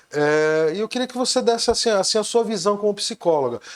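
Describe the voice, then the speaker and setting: Lively intonation marks this man's speech. The sound is dry and close, with no echo. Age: old. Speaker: talk show host. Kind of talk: interview. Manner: halting.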